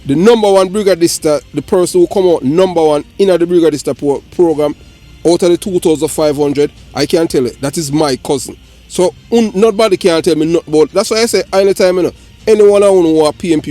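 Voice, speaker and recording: Heated Jamaican man, high voice. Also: quick pace, soft background music. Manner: forceful, repetitive, restarts a lot. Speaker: live show host. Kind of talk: heated political call-in talk.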